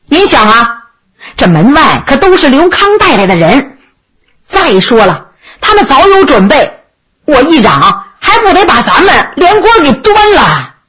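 A woman voicing a quick-witted young male inn servant in a told story, excitable, pleading and emphatic. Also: high-pitched, exaggerated voice. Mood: defensive.

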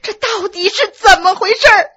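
A woman's voice: normal speed, bright, forceful tone. A woman voicing an official's grief-stricken wife who wails and sobs in a storytelling performance. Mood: accusing, sobbing. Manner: sobbing, shrill wailing.

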